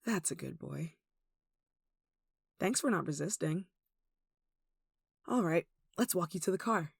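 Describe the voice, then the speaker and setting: Woman acting as a lovesick female captor, cooing, sweetly menacing, gravelly fry, close dry sound, intimate audio roleplay. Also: fairly low pitch, animated, unhurried, no echo, full character voice. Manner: cooing, coaxing, with sighs and giggles.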